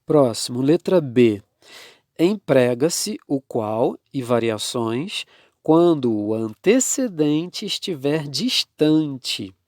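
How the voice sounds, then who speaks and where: A man teaching a grammar lesson, speaking deliberately and repeating the key terms for his students. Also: medium pitch, sing-song, a little mellow, no room sound, clean studio sound.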